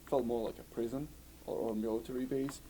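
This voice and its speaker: A man's voice: medium pitch, steady tone, fairly quick, warm tone, slight background noise, rough recording. A man from Yugoslavia, recounting his story in an interview, talking fluently and saying "you know" often. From former Yugoslavia. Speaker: refugee interviewee. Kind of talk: recorded interview testimony.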